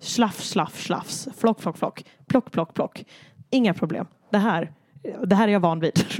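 At a fairly slow pace with long, frequent pauses, a woman speaks in a medium pitch with ordinary pitch variation. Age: 20s. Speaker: podcast co-host. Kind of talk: casual chat.

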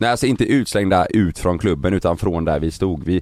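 Very fast speech from a man with a very deep, low pitch and vocal fry, dry and close with no echo. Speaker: podcast co-host. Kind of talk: casual chat. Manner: animated storytelling.

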